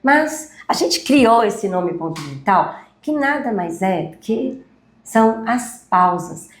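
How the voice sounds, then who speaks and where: A woman instructor explaining a speaking technique in a live online class, steady and explanatory. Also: fairly high pitch, slow, echoey room. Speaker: communication instructor.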